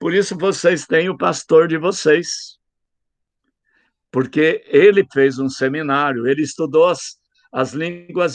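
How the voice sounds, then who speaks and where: Over a quiet background, a man with a fairly high voice talks at a very slow pace with ordinary pitch variation. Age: 70s. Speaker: pastor. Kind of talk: sermon. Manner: animated.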